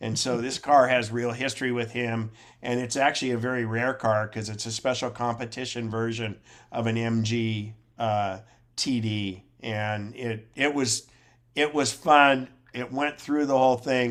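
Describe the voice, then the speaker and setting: A man speaks in an unremarkable speaking voice at medium pitch, keeping a fairly slow pace and fairly even intonation. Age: 60s. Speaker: computer class instructor. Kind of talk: presentation to a class. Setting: video call. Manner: casual, conversational.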